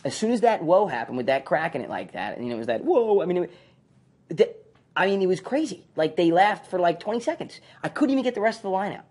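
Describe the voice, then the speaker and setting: Fast-talking man recalling his sitcom role. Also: sits high. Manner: fast, animated storytelling with many fillers. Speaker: former sitcom actor. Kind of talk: retrospective interview.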